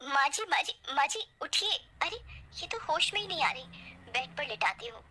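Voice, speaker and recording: A woman voicing a gentle, devoted young bride in a spoken storybook tale, talking in a caring way. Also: high-pitched, very animated, normal speed, voice pushed up, heavily acted. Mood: worried.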